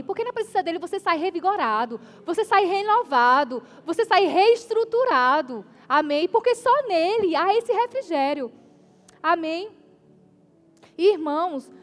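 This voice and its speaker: High-voiced woman preaching with emphatic "amen?" calls. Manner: emphatic, punctuates points with "amen?" to the congregation; reads scripture aloud slowly and deliberately. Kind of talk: sermon.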